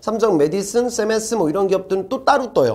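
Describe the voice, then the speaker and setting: This man talks at a very fast pace. The intonation rises and falls in a lively way. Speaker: job exam prep instructor. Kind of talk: online lecture. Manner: casual, conversational.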